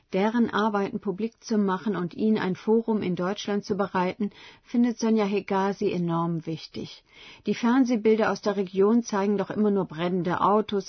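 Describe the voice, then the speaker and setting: A woman reporter reading a scripted radio feature in a measured, even way. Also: medium pitch, husky, no room sound, lo-fi sound.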